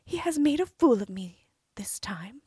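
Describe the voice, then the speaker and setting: A woman voicing a young princess who coaxes and wheedles in a raised, sweet voice, breathy throughout. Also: on the high side, very animated, a little slow, darkish tone, no room sound, studio quality, voice pushed up, full character voice. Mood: coaxing. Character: young princess, coaxing and cunning.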